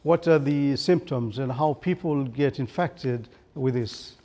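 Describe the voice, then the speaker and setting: A man's voice: mid-range voice, slow pace, dark tone. A man puts formal questions as a news interviewer. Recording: long reverberant hall-like echo.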